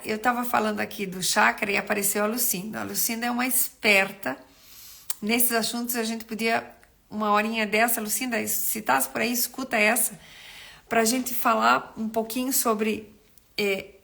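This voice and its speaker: Gravelly-voiced woman chatting on a live stream. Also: a little high, a bit bright. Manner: chatty, greets viewers by name, rambles with restarts. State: recovering from a cold, throat still rough. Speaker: nutritionist hosting a live stream. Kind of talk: casual live-stream chat.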